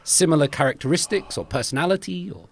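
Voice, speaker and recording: A man interviewing an elderly guest, asking gentle, encouraging questions and often adding short affirmations. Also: fairly high pitch, animated, fast talker. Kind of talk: conversational interview.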